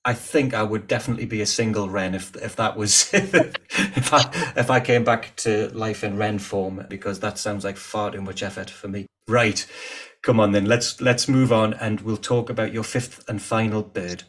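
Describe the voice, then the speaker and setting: A man's voice: lowish voice, moderate pace, fairly bright tone. A man hosting a podcast, chatting casually and joking with his guest. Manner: jokey, laughs easily. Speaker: podcast host. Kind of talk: casual interview chat.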